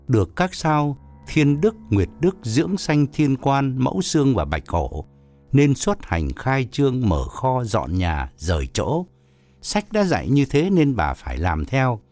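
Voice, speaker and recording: A male storyteller reads a novel aloud, his voice of middle pitch rising and falling with a lively, animated swing. Faint music runs quietly beneath the narration. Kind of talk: audiobook narration.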